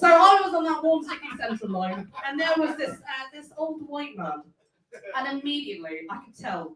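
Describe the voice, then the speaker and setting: An animated woman with a London accent, high-pitched and at a moderate pace, with very wide pitch swings and big swings in loudness. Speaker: comedian. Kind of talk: stand-up. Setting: stage with audience.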